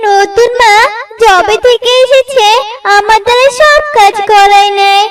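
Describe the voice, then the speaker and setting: A woman voicing a gentle, sorrowful little orphan girl bird in a cartoon, plaintive and childlike. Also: very high-pitched, steady tone, unhurried. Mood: sad, pleading. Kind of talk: cartoon voice acting.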